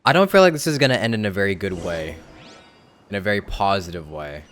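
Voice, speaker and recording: A man's voice: low voice, animated, fast talker, a bit bright, slight background noise. A young man giving casual, joking, slangy live commentary as a game streamer.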